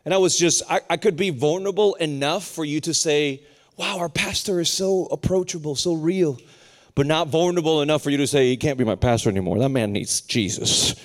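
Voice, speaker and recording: A man in his thirties from Puerto Rico, preaching a sermon with humor and rising intensity. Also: normal speed. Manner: lively, humorous preaching that climbs higher and more intense as it goes. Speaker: pastor.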